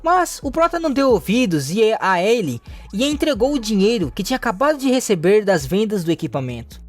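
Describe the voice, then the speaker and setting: A man with a Brazilian Portuguese accent, narrating a comic story recap in a steady, plain third-person retelling. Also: high voice, a little fast, faint music behind.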